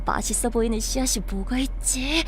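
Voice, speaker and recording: A woman playing a naive, eager and sheltered young survivor in an audio drama, with an expressive, wide-eyed delivery. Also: on the high side, normal speed, slight background noise, lightly acted. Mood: eager, hopeful. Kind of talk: Korean audio drama acting.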